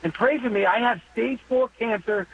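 50s guy calling in, kinda high voice, earnest and halting, dull line with a little hiss. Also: vocal fry. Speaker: caller. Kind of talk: phone-in call to a radio show.

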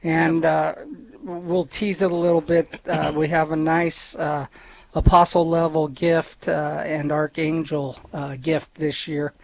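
A man's voice: fairly high pitch, little pitch movement, slow. A man co-hosting a live radio fundraiser, listing giving levels plainly with many fillers.

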